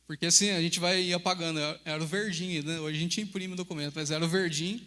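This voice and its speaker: A man's voice: a little high, steady tone, quick pace, bright, forceful tone. A middle-aged Brazilian man, a pastor, telling personal stories in a sermon and often addressing the congregation as brothers. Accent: Brazilian Portuguese.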